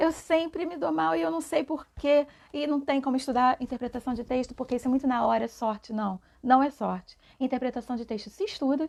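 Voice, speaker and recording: A woman's high-pitched voice at a fairly quick pace, with lively intonation. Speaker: Portuguese teacher. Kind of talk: lecture. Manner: fast; animated.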